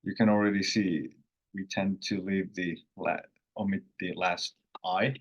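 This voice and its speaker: A man who is a native Finnish speaker, hosting a casual online language lesson in an unhurried, rambling way with self-corrections. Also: deep voice, steady tone, husky, dull audio. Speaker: language course host.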